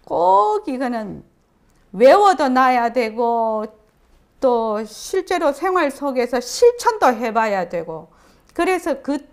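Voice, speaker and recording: A woman giving a meditation dharma lecture, posing questions to her listeners and answering them herself, repeating key phrases for emphasis. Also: high-pitched. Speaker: Buddhist meditation teacher.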